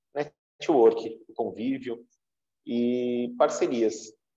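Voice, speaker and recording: There is audible room echo around a man's voice. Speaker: lawyer. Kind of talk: webinar talk. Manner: informal. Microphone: video call.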